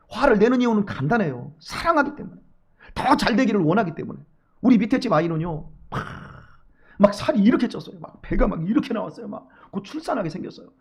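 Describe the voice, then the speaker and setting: Guy pastor preaching at dawn, high voice, talks super fast, goes from quiet to loud, keeps asking the church questions. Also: slightly rough. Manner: emphatic, swings from hushed asides to loud exhortation; addresses the congregation directly, rhetorical questions. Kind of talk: early-morning sermon.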